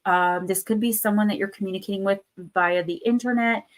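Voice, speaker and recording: A woman hosts a live tarot and oracle card reading stream on her channel, her mid-range voice steady and brisk even though a sore throat is costing her her voice. She reads the card texts aloud, then chats about them loosely, full of fillers and restarts.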